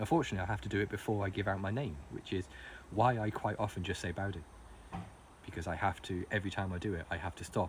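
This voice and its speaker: A man's fairly low, somewhat breathy voice at a very fast pace, with ordinary pitch variation. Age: 40s. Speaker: live streamer. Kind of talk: casual chat. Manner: halting.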